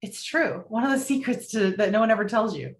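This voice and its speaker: A woman's voice: medium pitch, animated, fairly quick, natural voice. Actress playing an earnest, newly single New York woman. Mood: earnest, confessional. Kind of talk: table read of romantic comedy film script. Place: indoors, virtual video-call table read.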